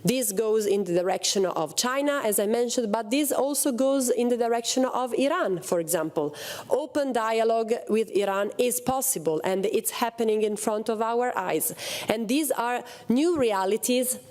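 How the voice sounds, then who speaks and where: A woman's voice: on the high side, moderate pace, darkish tone. A woman from Italy, speaking on a policy panel, hesitant with many fillers and restarts. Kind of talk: panel talk on security policy.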